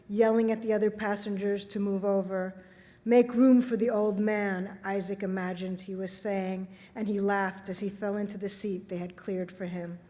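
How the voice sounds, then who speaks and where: Woman, author reading fiction aloud, warm mellow tone, measured delivery, long hall reverb. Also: mid-range voice. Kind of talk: public reading of literary prose. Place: library event space.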